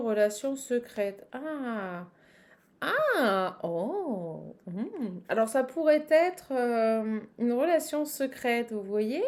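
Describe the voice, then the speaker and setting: Her voice is fairly high and somewhat dark, carrying a Parisian French accent. She's a tarot card reader and channel host doing a loose, improvised reading for viewers, chatty and exclamatory, prone to repeating herself and stopping mid-thought.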